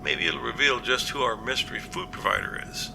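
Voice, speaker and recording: A man playing an earnest, cautious captain in an amateur audio drama, reporting in a measured, matter-of-fact way. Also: medium pitch, animated, gravelly, noisy background. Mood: concerned. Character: male captain, earnest, practical, cautious, plain-spoken.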